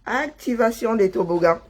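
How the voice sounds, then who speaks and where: A woman's voice: a little high, expressive, measured pace, darkish tone, a little hiss or hum. A woman, chatting casually on a live stream, greeting viewers by name and joking.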